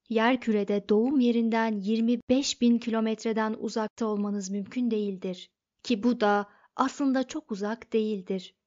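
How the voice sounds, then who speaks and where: A woman narrating an audiobook in a steady, even storytelling manner. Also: a little high. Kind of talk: scripted narration. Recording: dull lo-fi recording.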